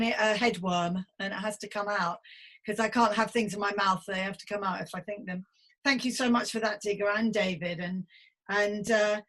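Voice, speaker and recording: A woman in her fifties hosting a casual conversational podcast interview in an effusive, chatty, playful way. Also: medium pitch. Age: 50s. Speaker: podcast host.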